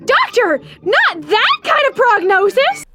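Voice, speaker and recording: Cartoon sheep nurse, scandalized and breath-catching, extremely high pitch, huge swoops. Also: female voice, wildly swooping pitch, slow, loud music behind the voice, heavily acted. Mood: shocked. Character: easily shocked female sheep nurse in a cartoon. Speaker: cartoon character. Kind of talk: cartoon voice acting.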